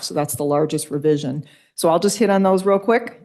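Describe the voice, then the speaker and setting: Over a quiet background, a woman talks in a plain, everyday voice with ordinary pitch variation. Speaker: county staff member presenting policy. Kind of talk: committee meeting presentation.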